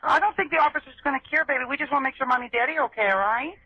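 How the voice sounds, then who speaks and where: A woman working as an emergency dispatcher, calming and questioning a child with endearments over a muffled telephone recording. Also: sits high, rapid-fire. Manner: reassuring, uses endearments with a child.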